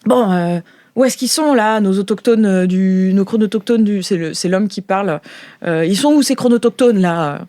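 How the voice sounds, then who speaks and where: A woman's voice: medium pitch, normal speed, dark tone. A woman improvising narration as game master of a tabletop role-playing game.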